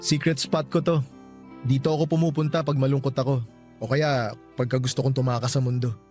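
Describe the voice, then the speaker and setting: A man's voice: mid-range voice, flat delivery, fairly quick, darkish tone, lightly acted. A man playing a teasing, easygoing young suitor in a radio romance drama. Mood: wistful, sincere. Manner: casual, teasing. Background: music.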